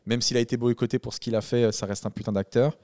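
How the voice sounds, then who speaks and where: A man in casual chat, telling a story in an animated, slangy way. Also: medium pitch, quick pace, no room sound, studio quality.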